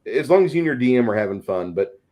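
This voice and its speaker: A man's voice: medium pitch, big pitch swings, fast, warm tone. A man speaking casually and at length as a panelist, opinionated and emphatic in the way he explains things. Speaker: panelist and game master. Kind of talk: casual discussion.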